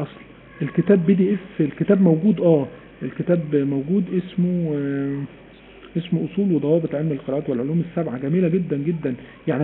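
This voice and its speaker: Egyptian male recitation teacher, live-stream lesson, animated, quizzes listeners, tinny phone-like audio. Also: on the high side, a little hiss or hum. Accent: Egyptian Arabic. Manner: animated, repeats key points, asks students questions.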